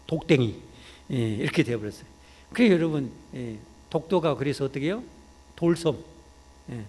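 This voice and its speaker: A man with a Jeolla accent preaching a sermon in a church, talking like in conversation, peppering lines with "ye" and turning to loud emphatic calls. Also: mid-range voice, husky. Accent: Jeolla Korean. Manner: conversational preaching, frequent "ye" interjections, rising to shouts when emphatic. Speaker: pastor. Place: church sanctuary. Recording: church hall reverb.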